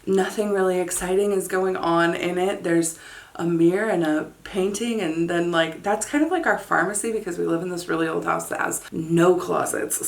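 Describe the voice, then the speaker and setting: A woman's voice: fairly low pitch, vocal fry, roomy sound. A woman chatting casually to camera in a vlog, talking informally with frequent fillers. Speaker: vlogger and course creator.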